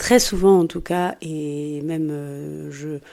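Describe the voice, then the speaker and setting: Speaking with fairly even intonation, a woman has a very deep, low pitch. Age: 30s. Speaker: podcast host, life coach in training. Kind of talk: casual monologue podcast. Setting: on a weekend trip, new microphone on tripod. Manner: casual, hesitant with fillers.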